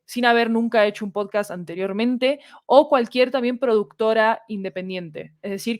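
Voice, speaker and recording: A woman's voice: mid-range voice, no echo. Latin American woman explaining, dry close sound. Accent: Latin American Spanish. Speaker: podcast fiction producer, interviewed guest. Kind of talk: explanatory interview talk.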